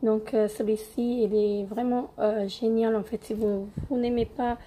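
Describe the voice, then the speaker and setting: A young woman with a cold-roughened voice, hesitantly reviewing beauty products in a casual home vlog with many fillers. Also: on the high side, level tone, a little slow, dark tone, slight background noise, rough recording. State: hoarse from a cold. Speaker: beauty vlogger.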